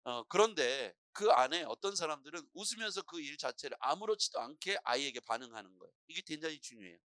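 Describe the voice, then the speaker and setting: Animated, bright-voiced male pastor preaching. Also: fairly high pitch, quick pace, dry recording. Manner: lively storytelling preacher, acting out anxious and calm voices. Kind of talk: morning prayer sermon. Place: church.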